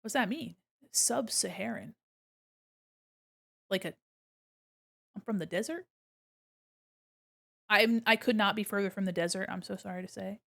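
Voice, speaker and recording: A woman streams casually while she draws, talking through each step at a medium pitch. She is gentle and encouraging, explaining things simply like an art teacher chatting with viewers. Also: measured pace, vocal fry, long pauses. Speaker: art streamer and critique host. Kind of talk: casual livestream commentary while drawing, reading chat aloud.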